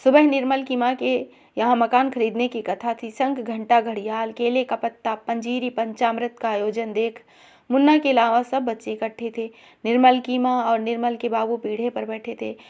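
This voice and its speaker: Woman narrator, slightly high voice, expressive story reading. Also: moderate pace. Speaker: story reader.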